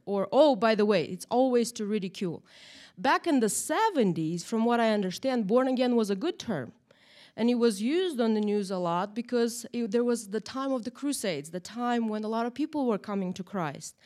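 Chatty woman teaching a Bible class. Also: a little high. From Moldova. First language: Russian or Romanian. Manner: chatty, animated, tag questions. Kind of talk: church Bible lesson. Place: church room, in front of a group.

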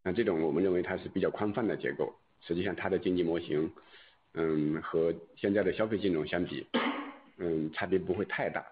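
A male executive answering on an earnings call in a deliberate, halting way. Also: sits low. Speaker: company executive answering questions. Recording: thin phone-like conference line.

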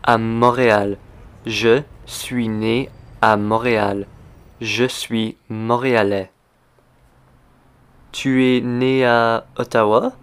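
A man hosting a language lesson, speaking slowly and deliberately and repeating simple phrases for learners. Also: mid-range voice, level tone, smooth. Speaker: language teacher. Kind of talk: slow scripted language lesson.

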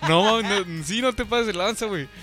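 A young man with a Mexican accent co-hosting a casual podcast chat, talking in slangy, animated bursts. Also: high voice, brisk, over music. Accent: Mexican Spanish. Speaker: podcast co-host.

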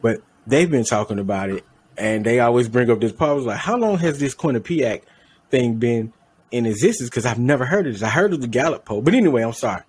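A man's voice: medium pitch, animated, fast talker, breathy edge. A man co-hosting a podcast in casual chat, rambling and correcting his own slips with a laugh. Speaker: podcast co-host.

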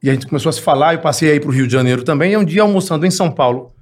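Fast-talking, animated man. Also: fairly high pitch. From Ceará, Brazil. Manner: fast, animated storytelling with jokes. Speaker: podcast guest. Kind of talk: casual chat.

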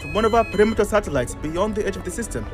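A man's voice: high voice, expressive, racing, over music. An actor playing an alert bridge crewman giving clipped, urgent reports in a science fiction audio drama.

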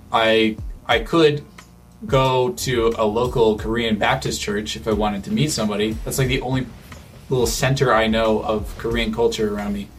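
In this easygoing conversation, a man talks at an ordinary mid pitch, stopping and restarting as he works out what he means. He sounds thoughtful and leans on fillers, with quiet music faintly behind him.

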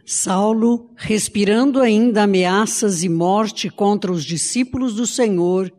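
A woman reading scripture aloud in a measured, even way during a sermon. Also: medium pitch, big-room sound. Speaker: scripture reader.

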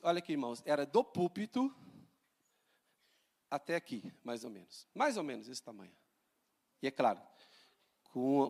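A male pastor, preaching a sermon in a church in an animated, conversational way, with humor and rhetorical questions. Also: fairly high pitch.

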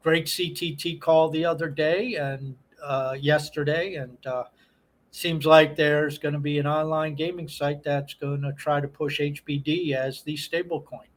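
A man's voice: on the high side, fairly even intonation, a little slow. A man from North America co-hosting a podcast, talking in a casual, conversational way. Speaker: podcast co-host. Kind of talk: casual chat.

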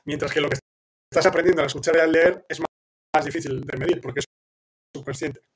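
A man's voice: on the high side, fairly even intonation, fast, husky. A man who speaks Spanish as his first language, hosting a live question-and-answer session, thinking aloud with many restarts and fillers and checking in with his listeners.

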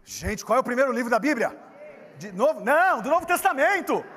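A man with a Brazilian Portuguese accent preaching a lively sermon in a church, joking and speaking straight to the congregation. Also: extremely high pitch, brisk. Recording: long hall reverb.

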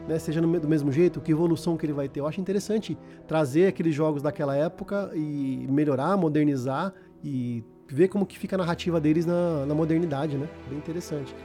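A man's voice: a little high, warm tone. A Brazilian man chatting casually as a podcast host, slangy and often repeating words as he searches for phrasing. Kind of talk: casual chat about video games.

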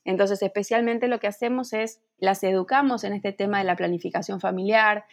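A woman's voice: medium pitch, fairly even intonation, a little fast. A woman from Santa Fe, Argentina, with an Argentine accent, a gynecologist answering interview questions earnestly and at length. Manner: earnest, explains at length with small restarts. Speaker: guest, gynecologist and entrepreneur.

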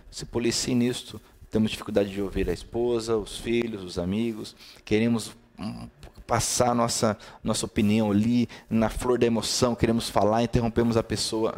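A man's voice: medium pitch, darkish tone. A man with a Brazilian Portuguese accent preaching in a live-streamed devotional talk. He talks conversationally, repeats key words in lists and greets viewers by name between points.

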